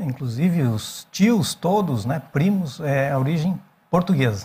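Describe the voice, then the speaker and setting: A man talks fairly slowly, his intonation lively. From Brazil, Paraná (Cruzeiro do Oeste); Paraná, Brazil. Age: 60s. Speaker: retired agronomist; interview guest. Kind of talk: interview. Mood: relaxed, reminiscing. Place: studio. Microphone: lapel.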